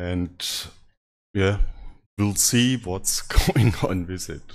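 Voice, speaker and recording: A man speaks with a German accent at a very slow pace. His pitch is very deep and low, with ordinary variation. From Swabia, southern Germany. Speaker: keynote speaker. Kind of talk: conference presentation.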